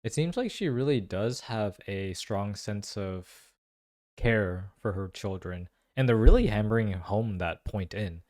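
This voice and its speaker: A man hosting a casual reaction video, thinking aloud in slangy, excitable commentary. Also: fairly low pitch, a little slow. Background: faint music.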